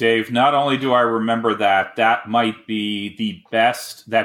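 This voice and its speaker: An unremarkable speaking voice from a man with a Canadian accent, medium in pitch, at a moderate pace with fairly even intonation. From Canada. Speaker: model show organizer, guest. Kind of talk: casual chat.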